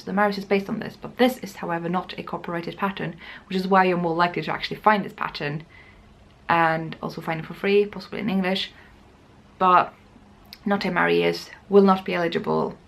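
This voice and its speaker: A woman's voice: on the low side, vocal fry. A woman chatting casually and informally to camera as the host of a knitting podcast. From Norway.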